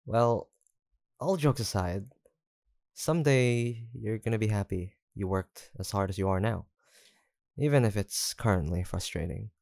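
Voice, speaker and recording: A man's voice: on the low side, a little slow, creaky, darkish tone, no room sound, clean studio sound. A young man acting an easygoing, teasing, affectionate student roommate in an intimate, casual roleplay audio drama, with hesitant banter. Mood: playful, relaxed. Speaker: voice actor.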